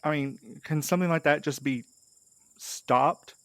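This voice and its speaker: A man acts an earnest underdog in an audio drama, wary but defiant. His voice sits a little high for a man, with hesitant phrasing and a dry, close sound. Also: measured pace, a bit bright, no echo. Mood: shaken, questioning. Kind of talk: audio fiction drama acting.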